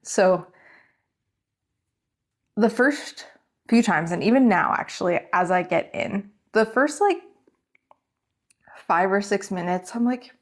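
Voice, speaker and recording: Thirtyish woman vlogging, rambly chatty storyteller, kinda yawny, ordinary mid pitch. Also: animated, takes it slowly, pauses often. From Canada. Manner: rambling and chatty, full of "like" and self-corrections. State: yawning, has an ear infection. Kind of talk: casual storytelling vlog.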